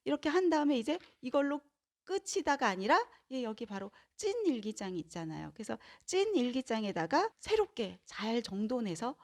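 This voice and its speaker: A woman who is a parenting educator, explaining to viewers in an animated way and acting out bits of dialogue. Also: on the high side, normal speed.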